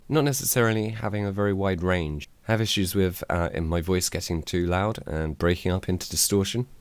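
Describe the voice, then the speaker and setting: A man, reviewing a microphone in a casual, dry, self-deprecating way. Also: no room sound. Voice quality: low voice. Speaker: tech reviewer. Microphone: desk microphone on a mic arm.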